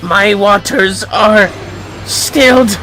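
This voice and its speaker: A man's voice: high voice, very slow, bright, forceful tone, soft background music, voice pushed up, full character voice. A man voicing a wrathful, grandiose sea serpent god from a game, theatrical and drawn out. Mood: furious, grandiose. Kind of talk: reading game villain lines aloud.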